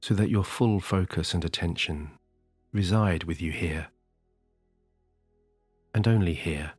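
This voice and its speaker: A man with a very low, husky voice eases the listener toward sleep in a slow, soothing hypnotic cadence. He is recorded close and dry, with a soft music bed playing quietly beneath him. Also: dry recording.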